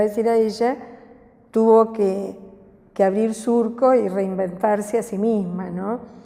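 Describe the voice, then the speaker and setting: A woman speaks at a fairly high pitch with a dark, mellow tone. Her pace is fairly slow and her intonation monotone and flat. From Argentina, Paraná (Entre Ríos). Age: 60s. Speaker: dictatorship survivor and former activist. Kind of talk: testimony. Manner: hesitant with filler words.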